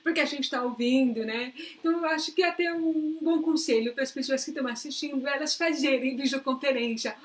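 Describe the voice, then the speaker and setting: A Brazilian woman with a high-pitched voice hosts a live interview over a video call. She talks casually and builds long questions for her guest. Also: quick pace, few pauses. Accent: Brazilian Portuguese. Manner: conversational, asks long framed questions. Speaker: host.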